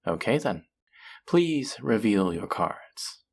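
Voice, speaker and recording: Husky, creaky, teasing demon dealer played by a woman. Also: very deep voice, big pitch swings, darkish tone, full character voice. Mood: teasing, inviting. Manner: slow, teasing, flirtatious, taunting. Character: teasing, possessive demon casino dealer of the underworld. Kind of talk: flirty roleplay audio drama, intimate one-on-one.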